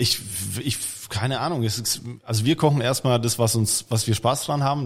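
Noticeable background noise behind a man's fairly even intonation. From Bavarian Swabia (Allgäu area), Germany. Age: 40s. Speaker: star chef. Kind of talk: casual chat.

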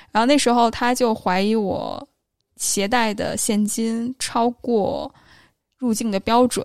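A woman speaks at a very slow pace with a fairly high pitch. The sound is dry and close, with no echo. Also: fairly even intonation, very clean recording, silent background. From northern China. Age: 20s. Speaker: relationship coach and podcaster. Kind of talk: casual interview conversation. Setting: live-streamed podcast.

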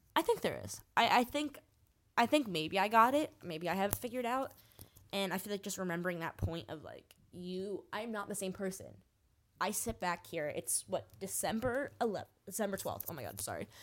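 A woman with vocal fry talks at a moderate pace in a medium pitch, her intonation lively and her loudness swinging widely. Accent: American. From New Jersey. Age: young. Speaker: podcast host. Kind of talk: casual monologue. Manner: halting, many fillers.

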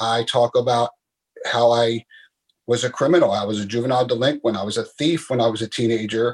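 With an American accent and an ordinary speaking voice, a man at medium pitch talks at a fairly quick pace with fairly even intonation, in a dry, close sound with no echo. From Philadelphia, Pennsylvania, US. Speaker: author and podcaster. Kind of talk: interview.

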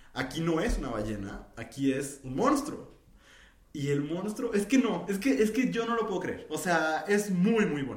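Amid noticeable background noise and audible room echo, a man with a Mexican accent speaks in an animated tone at a high pitch, with very wide pitch swings. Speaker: podcast co-host. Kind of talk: casual chat.

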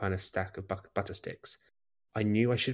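What you hear is a natural reading voice.

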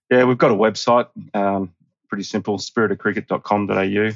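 With an Australian accent, a man talks at a fairly quick pace in a fairly low pitch. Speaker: veterans cricket organiser. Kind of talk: interview.

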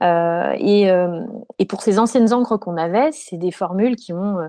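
Her dark, mellow tone sits at a medium pitch as the woman speaks at a fairly slow pace with ordinary pitch variation. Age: 40s. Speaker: tattoo artist and former cancer researcher. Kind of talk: casual interview.

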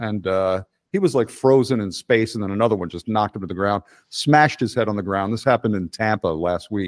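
A plain, everyday voice speaks at a fairly quick pace with ordinary pitch variation, recorded with a dry, close sound, no echo and a quiet background. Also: man. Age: 60s. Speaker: writer and commentator. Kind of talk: casual chat. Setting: video call.

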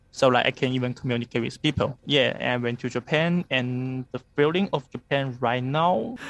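A man in a Chinese accent at medium pitch, with fairly even intonation, a moderate pace, and hardly any pauses. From China, Guangxi. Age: 20s. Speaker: recent graduate. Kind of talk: casual chat.

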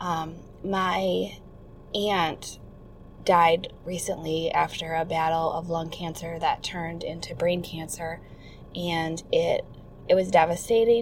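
A woman with an American accent speaks very slowly, with long, frequent pauses. Her voice is fairly low and somewhat breathy. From Michigan, US. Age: 20s. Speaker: listener leaving voicemail. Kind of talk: testimony.

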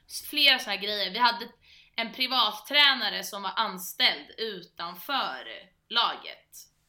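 Her voice is fairly high-pitched with a bright, sharp tone. The woman speaks at a fairly slow pace with big swings in loudness. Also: ordinary pitch variation. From Stockholm, Sweden. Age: 20s. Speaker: former college athlete. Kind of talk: casual chat.

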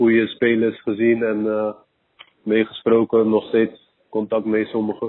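Fairly slow, monotone, flat delivery from a man in a fairly low pitch. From Rotterdam, Netherlands. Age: 20s. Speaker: professional footballer. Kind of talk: interview.

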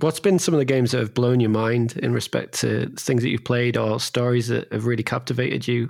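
A man speaks with a normal speaking voice at a medium pitch and a fairly quick pace. His intonation is fairly even, his loudness very even, and he hardly pauses. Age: 40s. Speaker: podcast host. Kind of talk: interview.

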